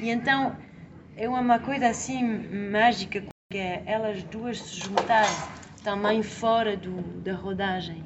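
A woman's fairly high voice at a fairly slow pace, with long, frequent pauses and fairly even intonation, amid audible room echo and noticeable background noise. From Switzerland (Portuguese family). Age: 30s. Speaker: film director. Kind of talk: interview. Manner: halting.

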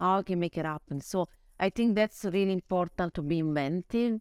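In an Italian accent, a woman with a fairly low pitch speaks on a very clean recording with a silent background, the sound dry and close with no echo. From southern Italy. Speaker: cinematographer. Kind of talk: casual interview conversation.

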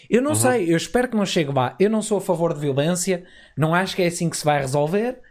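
In a European Portuguese accent, a man with a high pitch talks at a very fast pace with lively intonation on a very clean recording with a silent background. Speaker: football fan podcast host. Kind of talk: casual live podcast chat. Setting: rooftop terrace.

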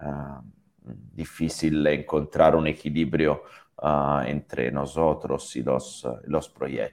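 The speech moves at a very slow pace, with vocal fry and monotone, flat intonation. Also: man, very deep, low pitch for a man. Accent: Italian. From Italy. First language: Italian (speaking Spanish). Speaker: social entrepreneur. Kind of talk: interview. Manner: halting.

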